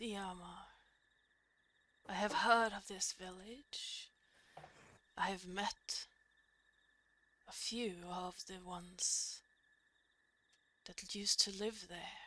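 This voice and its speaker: Using a gravelly, put-on character voice, the speaker goes at a very slow pace with long, frequent pauses. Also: woman, medium pitch for a woman. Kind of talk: archaic formal speech. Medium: actual play. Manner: formal, solemn, measured.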